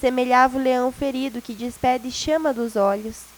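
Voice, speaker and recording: A woman narrates a classic novel as an audiobook, measured and expressive in her delivery. Her voice is high and light, and she keeps a steady, literary storytelling tone. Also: poor audio. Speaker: audiobook reader.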